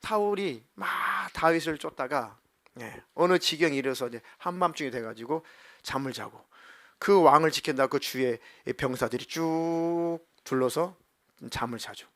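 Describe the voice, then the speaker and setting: Animated Korean pastor preaching. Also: male voice, fairly high pitch, normal speed, dry recording, studio quality. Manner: animated storytelling, acting out quoted dialogue. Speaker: senior pastor. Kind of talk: sermon.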